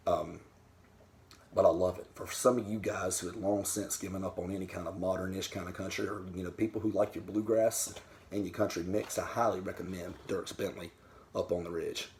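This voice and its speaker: A man's voice: sits low, a little mellow, a little hiss or hum. A man talking to camera about his records in a candid, rambling way, swearing freely. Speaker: vinyl record vlogger. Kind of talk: casual talk to camera. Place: home den.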